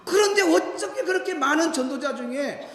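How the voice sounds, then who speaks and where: A man with a very high voice preaches a sermon as pastor at a fairly quick clip, telling stories and animatedly acting out the voices of the people in them. He's in a church sanctuary, and the recording carries the echo of the church hall.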